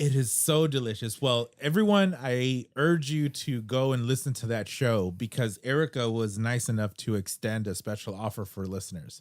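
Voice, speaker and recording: A man with an American accent talks at a moderate pace and a medium pitch, with lively intonation and hardly any pauses, on a very clean recording with a silent background. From Chicago. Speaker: podcast host. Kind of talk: casual chat.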